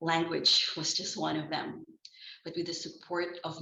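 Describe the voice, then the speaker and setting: A woman speaks with vocal fry at a fairly low pitch and a fairly slow pace. There is audible room echo. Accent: non-native. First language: not English. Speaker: nurse leader and journal editor. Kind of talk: award ceremony speech.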